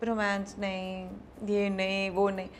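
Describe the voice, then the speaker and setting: Woman guest, middle-aged, lively chatty talk, bits of english, a little background hiss. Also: medium pitch. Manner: animated, mixes Urdu and English. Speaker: actress guest. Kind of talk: casual interview chat.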